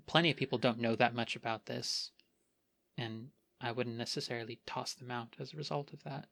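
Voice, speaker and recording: A man's voice: medium pitch, fairly even intonation, brisk, vocal fry, a bit bright. A man playing a tabletop role-playing game, thinking aloud about his character in a rambling way with many fillers. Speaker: player.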